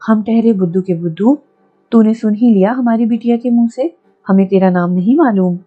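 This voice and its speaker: A woman's voice: mid-range voice, moderate pace, narrow, tinny audio, soft background music, lightly acted. A woman voicing a rustic elderly village uncle, blunt-spoken but kindly, fussing and scolding in a folksy way. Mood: earnest.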